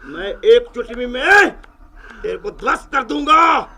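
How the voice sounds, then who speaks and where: An actor playing a pompous exorcist who thunders threats at an evil spirit in a blustering, theatrical way. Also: male voice, extremely high pitch, big pitch swings, a little slow, bright, forceful tone, heavily acted.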